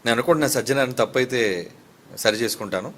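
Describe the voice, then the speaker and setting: A man's voice: mid-range voice, quick pace, fairly bright tone. A middle-aged male pastor preaching a fiery sermon, firing rhetorical questions at his congregation.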